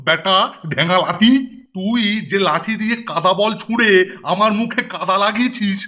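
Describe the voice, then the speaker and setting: A man's voice: high-pitched, normal speed, dull audio. A man voicing a fussy, irate middle-aged hostel superintendent in a Bengali cartoon, blustering and repeating himself. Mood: furious. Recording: music behind the voice.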